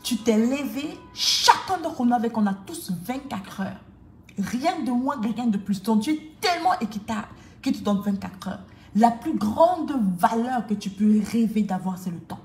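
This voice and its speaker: A woman's voice: on the high side, lively intonation, measured pace, darkish tone. Emphatic woman coach in an echoey room. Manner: emphatic and repetitive, preaching cadence. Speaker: motivational coach. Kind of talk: motivational talk addressed to the viewer. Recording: echoey room with faint noise.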